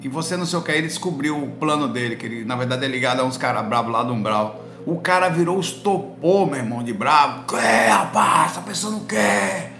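A man with a Pernambuco accent from northeast Brazil, telling stories to camera in animated, slangy bursts. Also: medium pitch, quick pace, few pauses, reverberant. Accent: Pernambuco Portuguese. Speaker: spiritual vlogger answering viewers. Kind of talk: casual talk to camera. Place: indoor room with a light behind him.

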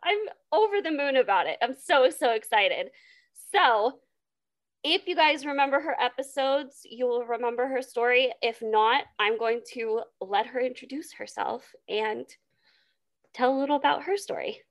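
A young adult woman hosting a podcast, bubbly and excitable in casual chat. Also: high-pitched, normal speed. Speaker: podcast host.

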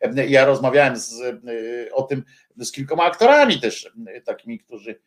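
A man hosting a radio show, talking in a halting, reflective way with many filler sounds between songs. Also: mid-range voice, big pitch swings. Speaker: radio host.

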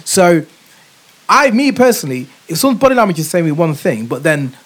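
A man with a noticeably high voice and a London accent hosts a casual chat. He talks like a roadman, leaning heavily on urban street slang. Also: big pitch swings, a little fast. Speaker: podcast host.

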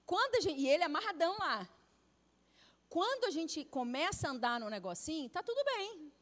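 A middle-aged Brazilian woman preaching a sermon, telling a family story with lively, acted-out quotes. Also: very high voice, normal speed. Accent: Brazilian Portuguese. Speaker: pastor's wife preaching. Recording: long hall reverb.

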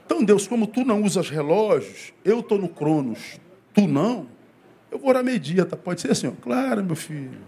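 A male pastor from Brazil delivers a sermon in a loose, joking, conversational way, poking fun at showy prayers. His voice sits high and sounds husky. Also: very animated, normal speed, mellow. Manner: humorous, mimics worshippers' pompous prayers in a slangy conversational preaching.

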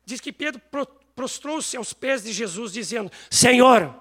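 A man preaching a sermon, telling stories with animated voices. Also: very high voice, moderate pace. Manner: animated storytelling, acts out voices.

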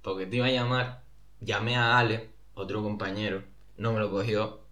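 A man's voice: fairly low pitch, flat delivery, moderate pace, pushed and bright. A young man with a Canarian accent tells a winding story in casual podcast chat. He strings his anecdote together with fillers and asides. His voice carries a roomy echo. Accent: Canarian Spanish. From Canary Islands. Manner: rambling anecdotes full of fillers and quoted dialogue. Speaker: podcast co-host.

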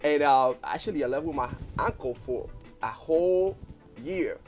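A man's voice: fairly high pitch, normal speed. Man with faint music. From Puerto Rico. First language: Spanish. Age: 30s. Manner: rambling, heartfelt, many fillers and restarts. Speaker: guest, business owner. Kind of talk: casual interview talk. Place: studio.

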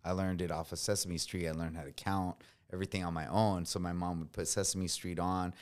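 A man's voice: deep voice, a little fast. A man with a slight Latino accent and Spanish as his first language, telling stories casually and with slang in an interview. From United States. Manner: relaxed, slangy storytelling with frequent fillers. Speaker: guest, combat veteran.

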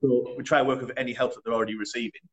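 A young man, a personal trainer, answering in a relaxed, chatty way with blunt wording and frequent laughs. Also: medium pitch, very fast, dull audio. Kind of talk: casual interview.

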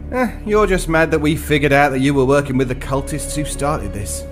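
A man's voice: fairly high pitch, fairly quick, music in the background, lightly acted. An actor playing a wry, needling male shopkeeper in a horror audio drama, with a dry conversational delivery. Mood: mocking. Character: wry, needling shopkeeper from a haunted man's past.

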